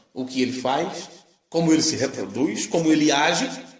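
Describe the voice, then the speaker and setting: Very wide pitch swings against audible room echo. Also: man. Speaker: preacher. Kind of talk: sermon.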